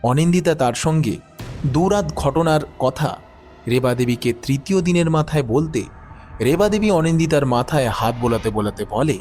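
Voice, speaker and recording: A man's voice: a little high, expressive, normal speed, a little mellow, faint music behind. A man narrating a scripted horror story in a dramatic storytelling style.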